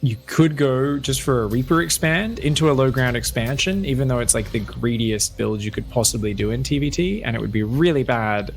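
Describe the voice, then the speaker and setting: Gravelly-voiced male esports caster. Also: medium pitch, brisk, hardly any pauses, slight background noise. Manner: energetic, hyping, with frequent fillers. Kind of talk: live play-by-play commentary.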